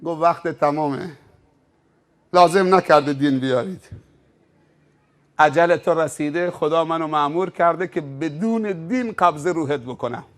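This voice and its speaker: A man's voice: fairly high pitch, long pauses, lightly acted. A man voicing the angel of death in a sermon story, barking commands and then passing a grave sentence.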